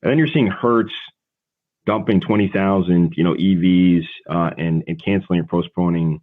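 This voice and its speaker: A man working as a financial analyst, asking a halting, rambling question on a conference call. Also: low voice. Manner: halting, rambling, full of repeated words. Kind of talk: unscripted question on an earnings call. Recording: thin, band-limited phone line.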